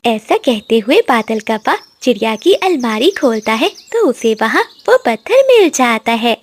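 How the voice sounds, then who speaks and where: A woman narrating a cartoon story in a slow, moral-telling storyteller manner. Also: on the high side, very animated.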